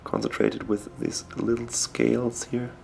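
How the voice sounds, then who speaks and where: A young man with a German accent, a native German speaker, talking casually and hesitantly while he paints miniatures at his desk, often pausing to search for words. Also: medium pitch, completely flat delivery, vocal fry, darkish tone. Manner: slow, hesitant, searching for words with many ums.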